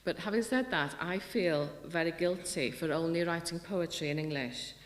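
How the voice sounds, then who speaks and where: A woman's voice: lowish voice, normal speed. A middle-aged woman poet from Wales with a Welsh accent, giving an earnest festival talk and reading her poetry, often restarting her sentences. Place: hall. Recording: roomy hall reverb.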